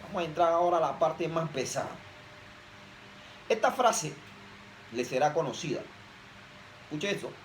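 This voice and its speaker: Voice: medium pitch, expressive, normal speed, long pauses, a little hiss or hum, rough recording. A preacher giving an emphatic sermon, often posing rhetorical questions to the audience.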